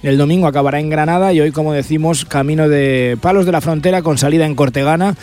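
A man's voice: fairly high pitch, quick pace, darkish tone. A man reporting on a cycling race for radio, fluent and detailed. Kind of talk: live sports report.

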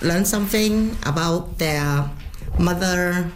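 A woman's voice: lowish voice, slow pace, background noise. A woman Cantonese teacher whose first language is Cantonese, answering an interview earnestly with some hesitation.

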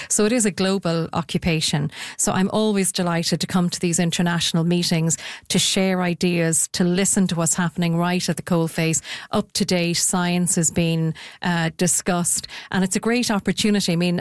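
Low-voiced enthusiastic woman professor. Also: no room sound, studio quality. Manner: enthusiastic, chatty, with fillers. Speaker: professor, radio guest. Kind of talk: radio interview guest.

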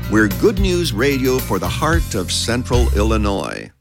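A man's voice: mid-range voice, big pitch swings, a little slow, creaky, music in the background. A man reading a radio station identification in a friendly promotional tone. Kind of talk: scripted station ID.

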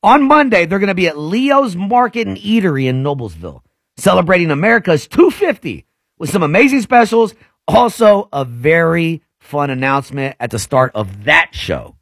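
A man's voice: a little high, sing-song, moderate pace, gravelly, no echo, studio quality. A man in his forties co-hosting a casual radio show, joking and plugging events. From United States. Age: 40s. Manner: playful, joking. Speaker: co-host. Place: radio studio.

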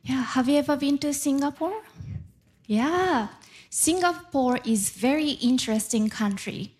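A woman's voice: high-pitched, expressive, measured pace, a little mellow. A middle-aged woman from Japan with a Japanese accent, doing playful stand-up comedy and crowd work before a live audience. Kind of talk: stand-up set.

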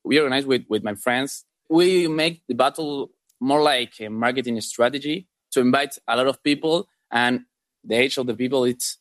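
Young male guest, Argentine Spanish accent, mid pitch, halting phrasing, dry recording. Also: a bit bright, no room sound. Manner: halting, non-fluent English. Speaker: interview guest, event organiser.

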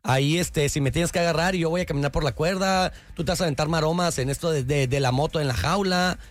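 A man's voice: a little high, quick pace, no echo. A man co-hosting a morning radio show, reading promotions in a playful, teasing way. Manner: playful, teasing, reads promos with mock-clumsy English. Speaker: radio co-host.

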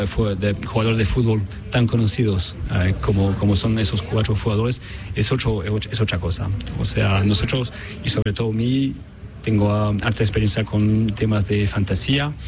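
A man's voice: lowish voice, fairly even intonation, moderate pace, noisy background. A man from Chile, a product designer, answering interview questions hesitantly with many fillers and restarts, at a busy event. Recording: crowd chatter behind.

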